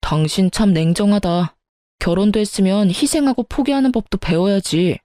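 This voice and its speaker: A woman's voice: medium pitch, normal speed, dark tone, dry recording, clean studio sound, natural voice. A woman voicing a sulky young husband who whines and reproaches his wife. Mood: reproachful. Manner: reproachful, whiny.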